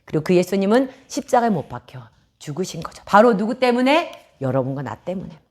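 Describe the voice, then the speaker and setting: A woman's voice: medium pitch, sing-song, fairly quick, darkish tone. A woman preaching a children's sermon, telling a story and asking the children questions.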